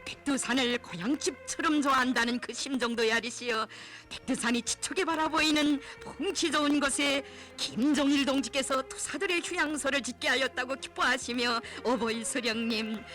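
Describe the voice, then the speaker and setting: A man's voice: extremely high pitch, steady tone, moderate pace, hardly any pauses, bright, forceful tone. A man with a North Korean accent reading scripted propaganda film narration in a reverent, solemn, emotive declaiming manner. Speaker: documentary narrator. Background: music.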